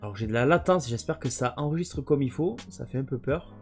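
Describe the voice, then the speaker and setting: A man's voice: medium pitch, expressive, a little fast, a little mellow, faint music behind. A man casually presenting his video game collection, hesitant and full of fillers. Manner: hesitant, many fillers and restarts.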